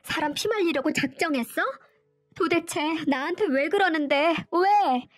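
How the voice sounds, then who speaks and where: A fed-up young wife, played by a woman storyteller, shouting shrill and high through tears. Faint music runs beneath the audio story. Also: animated, moderate pace. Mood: tearful.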